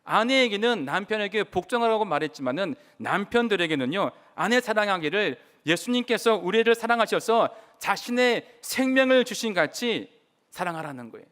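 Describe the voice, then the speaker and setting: Man, pastor, earnest sermon, questions to the congregation, high voice, clear and resonant tone. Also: lively intonation, moderate pace, fairly bright tone. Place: church sanctuary.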